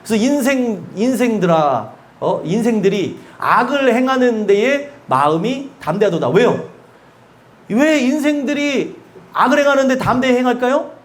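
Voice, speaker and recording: A male pastor delivers a sermon in a church. His voice sits unusually high and swings widely in pitch. He keeps asking the congregation questions and laughs between points. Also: lively intonation, moderate pace. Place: church sanctuary.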